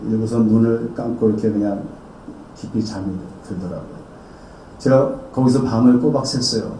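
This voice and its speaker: A man's voice: on the low side, steady tone, normal speed, warm tone, a little hiss or hum. A male pastor giving a dramatic sermon testimony and acting out the voices of the people in his story. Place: church hall. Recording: roomy, distant sound with faint ambience.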